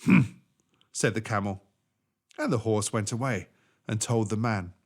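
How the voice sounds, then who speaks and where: A man narrating a children's story from a script as a storyteller, with expressive, deliberate theatrical phrasing. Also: lowish voice.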